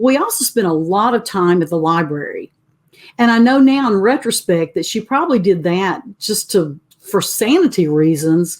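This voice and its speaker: A woman with a strong Southern US accent speaks at a medium pitch, her voice swinging very widely up and down. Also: moderate pace. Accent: heavy Southern US. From US South, Alabama. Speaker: executive coach and consultant. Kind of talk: interview. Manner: animated.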